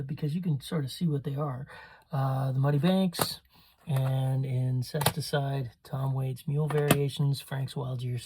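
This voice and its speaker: A middle-aged man chatting casually and unscripted as he shows off items as a store owner, in a halting, rambling way that often interrupts itself. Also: a little high, a little mellow, a little hiss or hum. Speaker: vintage store owner presenting a haul. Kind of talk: casual unscripted show-and-tell chat.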